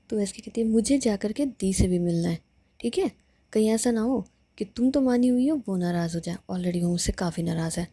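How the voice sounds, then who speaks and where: Husky woman telling a love story. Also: medium pitch, warm tone. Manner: conversational storytelling.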